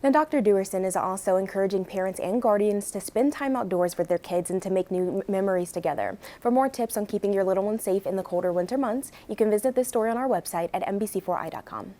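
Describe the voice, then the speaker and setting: A woman's voice: mid-range voice, quick pace, hardly any pauses, warm tone. An American woman working as a TV news reporter, delivering a live report in a polished, emphatic newsreader manner.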